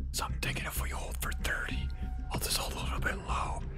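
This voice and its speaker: Someone whispers at a fairly quick pace. Music plays in the background. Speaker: hunter. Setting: outdoors. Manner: whispered.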